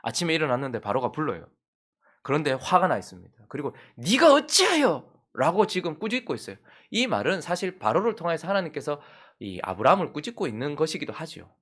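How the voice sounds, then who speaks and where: A man preaching an early-morning sermon with a highly expressive, wide-ranging pitch. He asks the congregation question after question and acts out the words of others. His delivery shifts between loud emphatic bursts and quiet, low stretches. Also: fast. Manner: dramatic, asks many rhetorical questions and acts out quoted speech. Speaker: pastor.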